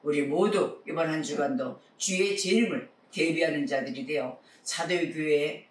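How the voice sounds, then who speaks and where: A man's voice: a little high, normal speed, echoey room, far from the mic. A man preaching a sermon as pastor, earnestly exhorting his congregation.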